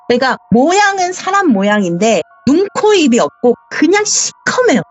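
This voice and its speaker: Animated woman caller on a muffled line. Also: high voice. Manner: vivid, acts out the dialogue. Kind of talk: telling a true ghost story. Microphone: voice call. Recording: dull lo-fi voice call.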